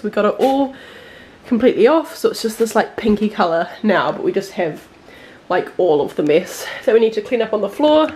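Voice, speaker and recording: Holding the camera at arm's length as she moves through rooms at home, a twenty-something New Zealand woman talks informally in a chatty vlog, scattering "like" through her speech. Her mid-range voice is a little mellow, and there's a slight hiss or hum in the audio.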